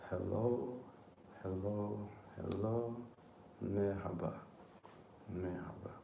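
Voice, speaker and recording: A soft-spoken man talks at a very slow pace in a fairly low pitch, with fairly even intonation. His tone is dark and mellow and somewhat breathy. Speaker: ASMR content creator, language lesson host. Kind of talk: soft-spoken ASMR language lesson. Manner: soft-spoken, quiet.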